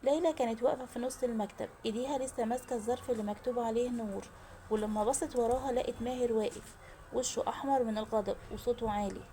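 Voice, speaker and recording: Woman, Egyptian accent, storyteller, suspenseful, fairly high voice, fast. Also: slight background noise. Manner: lively, suspenseful, direct to viewers. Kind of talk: dramatic story narration.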